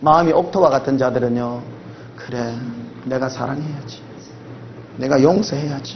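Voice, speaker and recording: A man's medium-pitched voice in a Gyeongsang accent, with noticeable background noise and audible room echo. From Gyeongsang region, South Korea. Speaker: pastor. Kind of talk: sermon.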